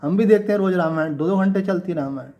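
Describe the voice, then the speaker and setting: A man giving a conversational devotional sermon, asking his listeners rhetorical questions and reciting couplets slowly. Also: high-pitched, warm tone, dull audio. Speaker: swami giving a Gita discourse.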